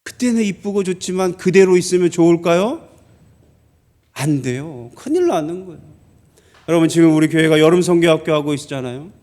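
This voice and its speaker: A man's voice: on the high side, brisk, darkish tone. A male pastor preaching a sermon in a church, conversational and full of questions to the congregation. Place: church sanctuary.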